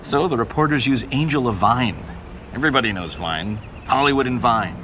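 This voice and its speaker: Man acting a wry interviewee, bright forceful voice, highly animated, punchy phrases, slight background noise. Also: fairly quick, close to an everyday voice. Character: animated, wry storyteller explaining an old scandal. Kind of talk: true-crime podcast interview drama.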